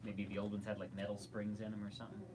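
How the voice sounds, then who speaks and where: A man's voice: lowish voice, completely flat delivery, racing, background noise. A man co-hosting a casual livestream, chatting and reading viewer comments aloud.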